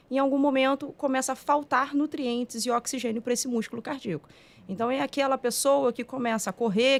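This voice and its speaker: A woman cardiologist with a Brazilian Portuguese accent, calmly and methodically explaining heart disease in a podcast studio. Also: fairly high pitch. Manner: calm, methodical explaining with frequent "né". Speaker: cardiologist guest. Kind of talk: explanatory medical talk.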